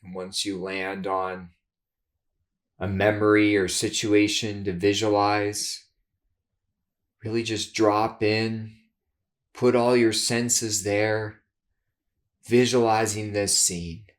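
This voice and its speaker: A man leading a guided meditation in a soothing, measured way, giving gentle instructions with long pauses. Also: lowish voice, level tone. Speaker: guided meditation leader, therapist.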